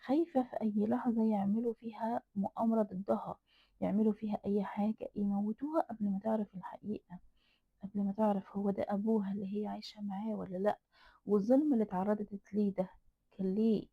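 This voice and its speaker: A woman's voice: mid-range voice, level tone, fast, breathy edge, no room sound. A woman with an Egyptian accent narrating a horror folk tale dramatically, repeating phrases for emphasis. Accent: Egyptian Arabic. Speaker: storyteller. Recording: dry tinny phone-like sound.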